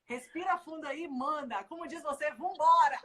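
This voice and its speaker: A woman's voice: high-pitched, normal speed, fairly bright tone. A woman hosting a live stream, effusive and exclamatory, praising her guest. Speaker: host.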